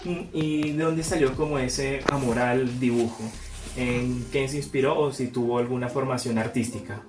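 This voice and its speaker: A man's voice: mid-range voice, fairly even intonation, moderate pace. A man, asking interview questions politely and a little tentatively. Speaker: podcast interviewer. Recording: echoey room, faint music.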